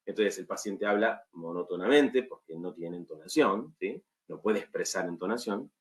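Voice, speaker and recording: A man's voice: deep voice, lively intonation, normal speed. A man with an Argentine Spanish accent giving a recorded online lecture to medical students, often checking in with tag questions.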